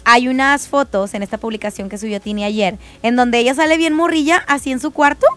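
A woman's voice: on the high side, fairly quick. A woman with a Mexican accent co-hosting a casual, chatty celebrity gossip show. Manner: chatty, animated, giggly. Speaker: show co-host.

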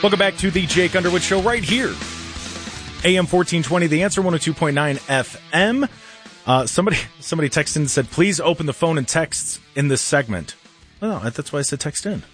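A man's voice: a little high, expressive, brisk, fairly bright tone, faint music behind. A man hosting a talk radio show, chatting casually and laughing as he takes calls. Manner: chatty, laughs while talking.

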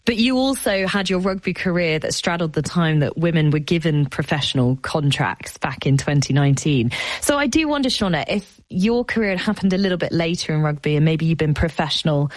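Low-voiced woman interviewer, probing. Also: expressive, dry recording. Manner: measured, probing questions. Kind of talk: broadcast interview.

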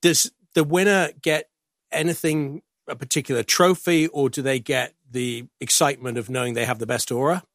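Male broadcast interviewer, medium pitch, polite and curious, recorded dry. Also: steady tone, normal speed, fairly bright tone, dry recording. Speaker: interviewer, programme host.

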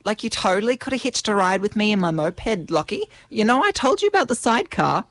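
A woman's voice: medium pitch, very animated, a little fast, no echo. A woman playing a breezy, gushing animal character who talks in a casual, like-totally teenage style. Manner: Valley-girl style filler "like, totally". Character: breezy, gushing, persuasive moped-riding animal local.

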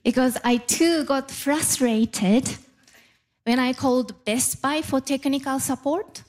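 Japanese-accented woman doing slow stand-up. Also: sits high, darkish tone, rough recording. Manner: playful, crowd work with laughs. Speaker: stand-up comedian. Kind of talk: stand-up set. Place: live comedy venue with audience.

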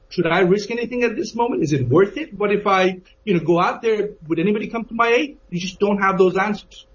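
A man speaking as a guest analyst on a call-in program, measured and earnest, often asking rhetorical questions. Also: high voice, lo-fi sound.

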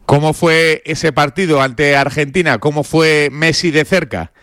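A man from Spain hosts a sports radio interview, his voice a little higher than most men's. He asks questions in an easy, encouraging tone, and the sound is dry with no room echo. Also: a little slow, fairly bright tone. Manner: friendly, encouraging questions with fillers.

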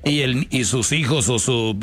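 Man, Mexican accent, casual commentary, slangy lecturing tone, medium pitch. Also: a little slow, a bit bright, faint music behind. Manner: slangy, lecturing, hesitant restarts. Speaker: show host giving commentary.

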